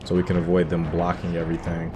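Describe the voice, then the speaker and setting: A man's voice: low-pitched, completely flat delivery, quick pace. A man giving casual commentary as he plays through a video game for his viewers. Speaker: gaming streamer doing a playthrough. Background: game music.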